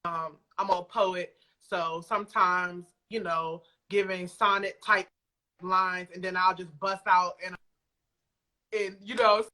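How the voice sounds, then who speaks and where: A woman's voice: on the low side, little pitch movement, takes it slowly, pushed and bright. A woman chatting casually as an interview guest, candid and informal with some swearing. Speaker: podcast guest, poet and audio drama creator. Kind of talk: casual chat.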